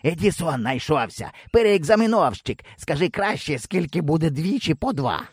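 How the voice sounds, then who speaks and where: Man doing a scornful schoolboy, high and jeering, dry sound. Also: very animated, normal speed, dark tone, no room sound. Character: mocking skeptical schoolboy.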